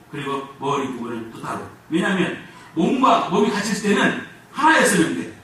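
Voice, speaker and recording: A man preaches from the pulpit, his voice a little high and rising and falling a great deal. He swings between loud calls and quiet asides. The sound comes from far off in a very echoey church hall with faint noise behind. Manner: animated preaching with sudden loud and soft swings. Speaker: pastor. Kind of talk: sermon. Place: church sanctuary.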